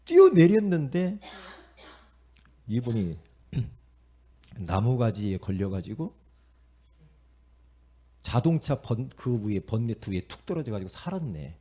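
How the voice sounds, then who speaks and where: A middle-aged man from Korea preaching a sermon as pastor, telling stories in an animated way, acting out voices and calling out to the congregation. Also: mid-range voice, slow pace, long pauses, slightly rough. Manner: animated storytelling, acting out inner voices and quotes; repetitive, calls out to the congregation.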